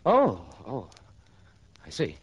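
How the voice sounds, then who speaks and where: A man's voice: medium pitch, wildly swooping pitch, slow, husky, no room sound, lo-fi sound, full character voice. An actor playing a nervous, stammering man in his thirties in a 1960s radio drama. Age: 30s. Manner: stammering, jittery, repeating words. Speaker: client's brother.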